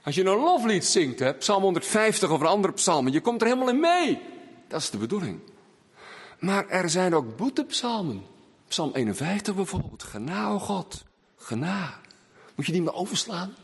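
A man preaching a sermon in a church, swinging between raised emphasis and hushed, low phrases. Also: sing-song, brisk, breathy edge. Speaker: pastor. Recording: long church reverb.

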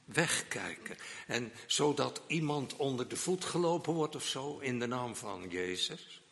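Gravelly slow-speaking preacher man. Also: mid-range voice, animated. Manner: emphatic, swings from quiet to loud declamation; repeatedly addresses the congregation directly. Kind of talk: sermon. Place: church. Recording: long reverb of a church hall.

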